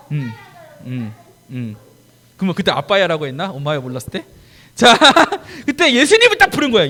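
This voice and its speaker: A man preaching a children's sermon in church, telling the story in an animated way, acting out scenes and quizzing the kids. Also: high voice.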